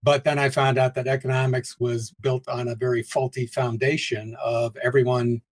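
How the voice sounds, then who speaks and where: A man's voice: mid-range voice, little pitch movement, moderate pace, poor audio. An older man from the Pittsburgh area, a guest in a conversational interview, speaking reflectively and chuckling often between points. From United States, Pittsburgh area.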